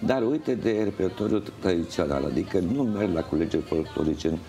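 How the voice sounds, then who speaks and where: This is a very deep, mellow voice belonging to a man of about sixty, a folk festival organizer and juror explaining things during a studio interview. Despite his lively intonation, he speaks in a halting, measured manner with pauses mid-phrase, while music plays in the indoor TV studio.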